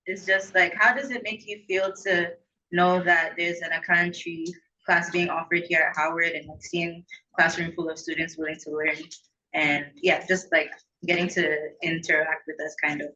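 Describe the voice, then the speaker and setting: A woman's voice: on the low side, fairly even intonation, normal speed, bright, forceful tone, highs cut off. A woman student asking a question hesitantly, with many fillers.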